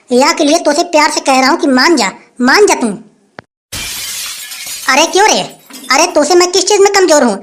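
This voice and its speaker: Casting: male actor as a shrill, bullying village chief who keeps repeating his threats. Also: fairly bright tone. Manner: blustering, threatening, repeats phrases. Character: boastful greedy male village headman, blustering. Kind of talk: comic sketch acting.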